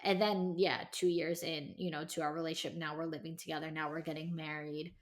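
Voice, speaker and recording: Deep-voiced and level in tone, a thirty-year-old woman speaks a little fast as the host of a casual solo podcast. Her chat is candid and full of "like" and "you know" before she turns to emphatically encouraging listeners.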